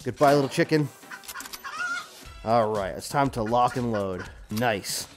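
A gaming video host with a mid-range voice plays a video game at a measured pace, offering casual, exclamatory commentary. He mutters short repeated phrases and mild, clean exclamations to himself over game music and sound effects.

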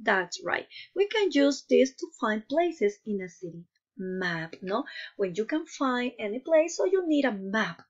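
A woman's voice: a little high, sing-song, unhurried, highs cut off. A woman teaching young children in the manner of a kids show host, encouraging and prompting them with questions and short checking tags. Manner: kids show host style, encouraging, addressing viewers directly; frequent questioning tags like "no?" and "okay?". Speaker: primary school English teacher. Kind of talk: children's online lesson, prompting pupils with questions.

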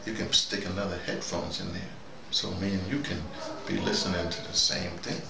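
Deep gravelly man, echoey noisy recording. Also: fairly even intonation. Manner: folksy and colloquial, often pausing mid-thought. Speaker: vlogger. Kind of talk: casual rambling show-and-tell talk to camera. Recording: echoey, distant mic, loud background noise.

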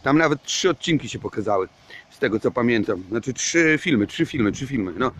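A man's voice: medium pitch, expressive, a little fast, fairly bright tone. A man rambling in a casual vlog monologue while walking outdoors at night. He hedges a lot and swears casually. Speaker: vlogger. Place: outdoors at night under a street lamp.

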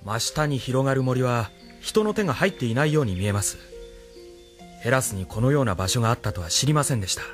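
A man voicing a brisk, dutiful officer. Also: mid-range voice, animated, soft background music, natural voice. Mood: respectful. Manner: deferential, formal. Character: male officer, dutiful and respectful to his chief. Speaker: subordinate officer. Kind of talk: radio drama acting.

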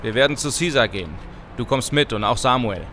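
Ein Mann spielt in einem deutschen Hörspiel einen gebieterischen, besonnenen Straßengangboss, der im Slang Befehle gibt. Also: male voice, medium pitch, expressive, brisk, bright, forceful tone, slight background noise. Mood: firm, bossy. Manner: authoritative, slangy, giving orders. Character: commanding Brooklyn street gang leader, male, urging prudence. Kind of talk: German audio drama acting.

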